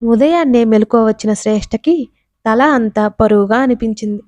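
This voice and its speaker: Mellow woman narrating a story. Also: on the high side, normal speed. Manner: calm, even-paced storytelling.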